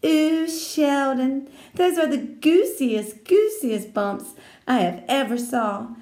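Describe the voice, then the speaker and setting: A woman's voice: high voice, lively intonation, takes it slowly, a little mellow, voice pushed up. A woman reading aloud and voicing a vain, show-off little girl in a gushing, sing-song way. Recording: roomy echo.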